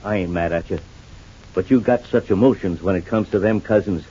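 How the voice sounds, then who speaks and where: A man's voice: low voice, a little fast, mellow, breathy edge. An actor playing Shuffle, a plain-spoken rural older man with a rural American accent, talking in an earnest, folksy drawl in a radio soap. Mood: determined. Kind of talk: 1940s radio acting. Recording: dull old radio transcription.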